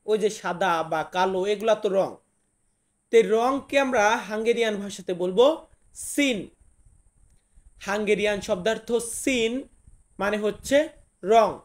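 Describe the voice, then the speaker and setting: High-voiced man teaching vocabulary casually. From Bangladesh. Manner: repeats each word slowly, addresses viewers directly. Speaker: language teacher.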